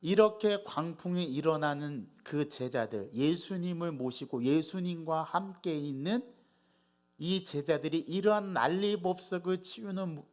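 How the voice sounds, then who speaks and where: A male pastor preaching a Sunday sermon in a church, animated and putting rhetorical questions to the congregation. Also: fairly high pitch, measured pace. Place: church sanctuary.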